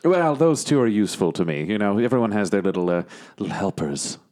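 A man playing a sly undercover agent who steers people with easy, soothing suggestions. The voice is slightly low, calm and unhurried. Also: natural voice. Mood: coaxing. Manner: calm, coaxing, manipulative. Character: smooth, scheming female undercover agent.

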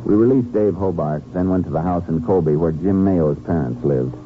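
Actor as a deep-voiced, laconic lawman. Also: moderate pace, loud music behind the voice, natural voice. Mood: terse narrating. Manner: laconic, matter-of-fact, probing. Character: calm, methodical Texas Ranger lawman. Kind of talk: 1950s radio drama acting and narration. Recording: muffled, noisy 1950s radio recording.

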